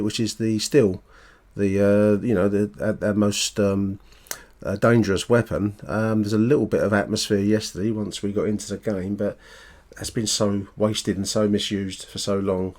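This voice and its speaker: A man hosting a fan podcast, giving conversational football opinion in a halting, deliberating way. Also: on the low side, a little mellow.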